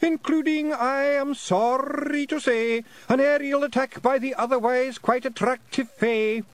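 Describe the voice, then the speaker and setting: A man voicing a small, theatrical male pixie reciting bad poetry in a high wailing voice. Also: steady tone, unhurried, no echo. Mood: mournful.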